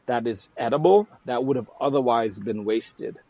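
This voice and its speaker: A man's voice: medium pitch, moderate pace, mellow, breathy edge, no echo. A middle-aged man from Trinidad and Tobago, a nonprofit founder speaking as a guest in a casual interview, with many fillers and restarts.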